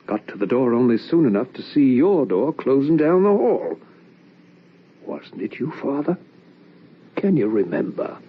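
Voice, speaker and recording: An actor playing an anguished, probing young son in an old-time radio drama, with earnest, theatrical, questioning delivery. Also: male voice, medium pitch, very animated, measured pace, long pauses, slight background noise. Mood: worried, gentle. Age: young adult. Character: anguished, probing young adult son narrating a ghost tale. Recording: dull, lo-fi old radio recording.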